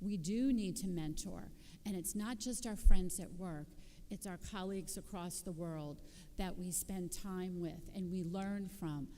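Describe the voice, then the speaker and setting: A woman with a dark, mellow tone speaks at a fairly slow pace amid audible room echo. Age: 60s. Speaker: nursing leader, conference speaker. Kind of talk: conference talk.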